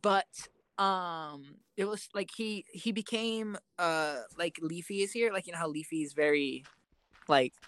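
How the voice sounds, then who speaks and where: A woman's voice: fairly low pitch, measured pace, a bit bright, no room sound. A young woman co-hosting a casual chat, giggling often and rambling with lots of fillers. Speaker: podcast co-host.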